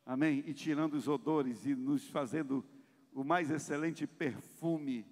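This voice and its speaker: A man with a high voice preaching to his congregation at a family seminar. His delivery is impassioned, and his voice often swells louder as he presses a point. Long reverb from the church hall trails after his words. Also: measured pace. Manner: addresses congregation directly. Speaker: pastor.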